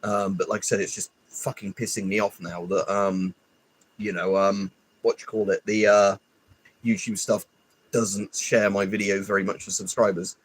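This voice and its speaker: Husky streamer, low and rambling. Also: male voice, little pitch movement, normal speed, poor audio. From United Kingdom. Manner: rambling, irritable, swears often. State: stuffy with hay fever. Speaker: livestreamer. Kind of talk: casual live stream chat.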